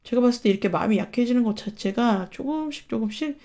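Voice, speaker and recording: Blunt, mellow-voiced woman giving advice. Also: on the high side, quick pace. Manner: blunt, profane and emphatic. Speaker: advice channel host. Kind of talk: casual advice talk.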